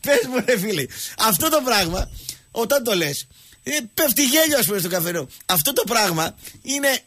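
Husky-voiced radio guy with a high pitch, chatty and jokey. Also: no echo. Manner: animated storyteller, jokey, talks to callers. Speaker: radio show host. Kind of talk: casual radio talk.

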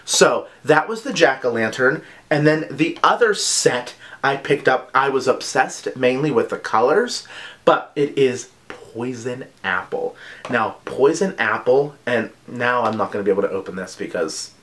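A man's voice: medium pitch, lively intonation, fairly bright tone. Chatty gushing man reviewing products. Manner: chatty and gushing, with quick asides. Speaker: vlog host reviewing body care products. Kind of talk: casual product review vlog.

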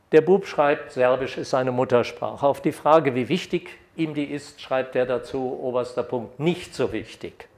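A man's voice: mid-range voice, vocal fry. Older man lecturing in an echoey hall. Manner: lively, animated when reading examples aloud. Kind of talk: academic lecture. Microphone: podium microphone.

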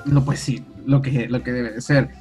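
Hombre joven, acento salvadoreño, videollamada con audífonos, tono medio, música tenue detrás. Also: male voice, medium pitch, moderate pace, soft background music. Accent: Salvadoran Spanish. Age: young adult. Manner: relaxed, slangy, storytelling. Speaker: podcast guest. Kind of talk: casual comedic chat over video call. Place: room at home, indoors. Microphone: video call with earphones.

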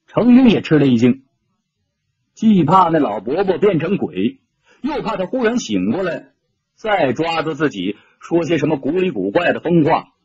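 A man's voice: fairly high pitch, sing-song, normal speed, darkish tone, slightly rough, no echo, highs cut off. A man narrating an audiobook story dramatically, shifting his tone with the action.

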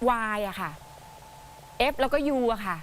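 A woman news presenter lively describing video footage, acting out what people in the clips said. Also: medium pitch, measured pace, a little hiss or hum. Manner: animated, acts out quotes while narrating footage.

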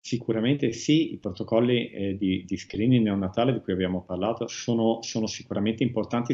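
A man speaking as an expert guest in a TV interview, measured and hesitant, with frequent restarts. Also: lowish voice, darkish tone, dull audio. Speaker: guest expert on rare diseases. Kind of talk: TV interview answers.

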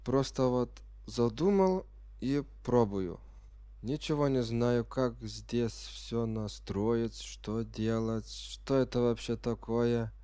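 A sick man speaking as a non-native speaker, giving halting, unsure commentary as he plays a game for the first time and reads the menus aloud. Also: medium pitch, dark tone, smooth, dry recording. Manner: reads game menu text aloud while puzzling over it. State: sick with a virus. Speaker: gamer playing on camera.

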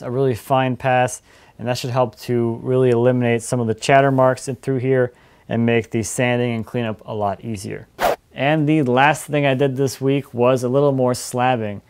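A young man hosting a casual weekly woodworking update from his home shop, relaxed and laughing often between points. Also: mid-range voice, a little hiss or hum. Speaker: woodworking video host.

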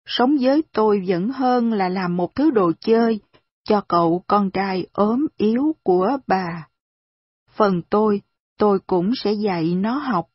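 A woman reading aloud voices a stern, gruff old man who gives blunt commands, in a slightly husky voice on a dull, dry recording. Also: medium pitch, unhurried, no room sound.

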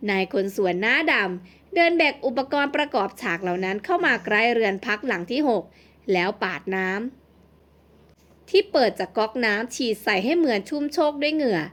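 A woman narrating an audio novel in a steady, expressive storytelling voice. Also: fairly high pitch. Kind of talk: scripted narration.

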